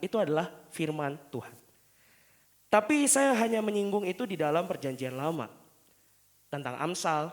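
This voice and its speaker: A man preaching conversationally as a pastor, speaking through a face mask with a sore throat. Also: fairly high pitch. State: sore throat, a little unwell. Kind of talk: conversational sermon. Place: church pulpit.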